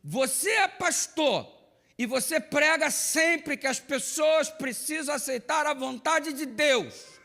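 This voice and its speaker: A man's voice: very high-pitched, animated, slow pace, creaky, bright, forceful tone, pitched above the performer's own voice, exaggerated voice. A man quoting a blunt teasing mother.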